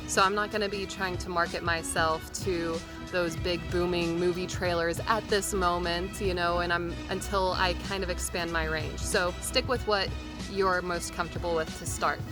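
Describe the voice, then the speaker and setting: Low-pitched woman explaining over music. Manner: informal, step-by-step explaining. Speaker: voice actor giving a tutorial. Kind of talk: explanatory how-to tutorial talk. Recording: music behind the voice. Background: background music.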